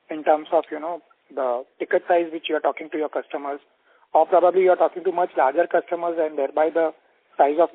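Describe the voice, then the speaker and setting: A man with an Indian accent asking questions as an analyst on an earnings call, polite, wordy and hesitant. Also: fairly high pitch. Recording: dry narrow telephone line.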